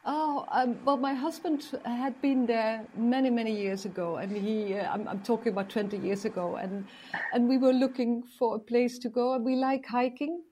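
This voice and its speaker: Woman guest from the netherlands, mellow and fairly high, lots of ums. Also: fairly even intonation, moderate pace, rough recording. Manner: hesitant, many ums, polite. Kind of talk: interview answers.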